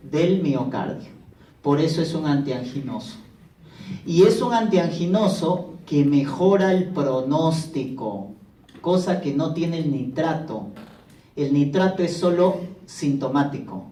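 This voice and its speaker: A man's voice: fairly high pitch, mellow, recorded from a distance. A man giving a pharmacology lecture in a classroom, asking the students questions and answering them himself. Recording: echoey classroom, voice from afar.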